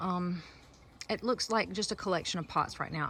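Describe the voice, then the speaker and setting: A woman with a Southern US accent speaks at a moderate pace in a bright, sharp tone, her pitch varying in an ordinary way. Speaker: gardening vlogger. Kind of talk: garden tour vlog. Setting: outdoors. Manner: animated.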